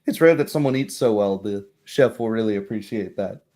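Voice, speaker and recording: A man's voice: lowish voice, fairly quick, mellow, lightly acted. A man voicing a courteous, concerned baroness in a tabletop game, formal and hesitant in speech. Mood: amused, gracious. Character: courteous, concerned noblewoman, a baroness hosting guests.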